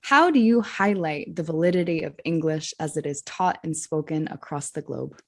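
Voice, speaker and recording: A woman's voice: low-pitched, normal speed. A woman with a Rhode Island accent co-hosting a teachers' podcast, talking earnestly and thinking aloud through rhetorical questions. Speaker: podcast co-host, English teacher. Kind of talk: scripted podcast discussion.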